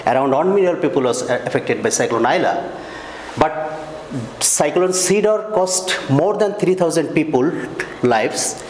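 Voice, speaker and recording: A man from Bangladesh, a native Bangla speaker, gives an academic talk in English with a Bangladeshi accent, formal and halting with pauses and self-corrections. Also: a little high, darkish tone, echoey room, a little hiss or hum, rough recording. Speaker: visiting researcher giving a lecture. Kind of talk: academic presentation. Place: lecture hall.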